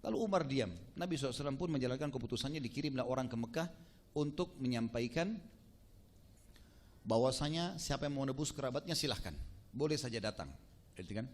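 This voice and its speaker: A man preaching, telling a story to his audience with lively quoted voices and casual asides. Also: fast. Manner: animated, acts out quoted speech with shifting pitch. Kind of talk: sermon storytelling.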